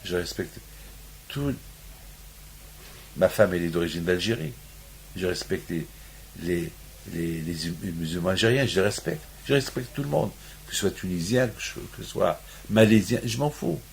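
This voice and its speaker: A man's voice: low voice, lively intonation, normal speed, vocal fry, long pauses, a little hiss or hum, poor audio. A man from Morocco giving a sermon on the weekly Torah portion, restating his points over and over and rising into emphatic peaks. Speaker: rabbi.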